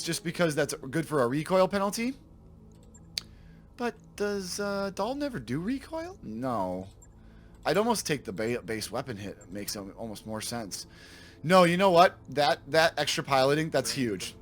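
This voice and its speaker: A man with a slightly raspy voice from a sore throat, casually commenting on his game for viewers and thinking aloud as he corrects himself. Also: fairly high pitch, sing-song, moderate pace, fairly bright tone. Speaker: let's play host.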